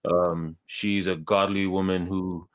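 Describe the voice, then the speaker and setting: A man from Ghana, a guest in a conversation, telling his life story in a measured, earnest way with light self-deprecating humor. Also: low voice, level tone.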